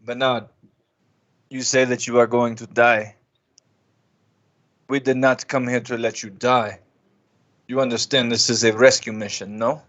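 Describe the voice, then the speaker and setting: Guy doing a solemn formal loyal companion for a tabletop game, measured and stilted, medium pitch. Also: level tone, fairly bright tone, highs cut off, lightly acted. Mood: grave, reproachful. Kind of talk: improvised tabletop roleplay.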